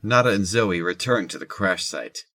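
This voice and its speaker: A man's voice: deep voice, normal speed, pushed and bright, dry recording, clean studio sound. A man narrating a scripted audio drama.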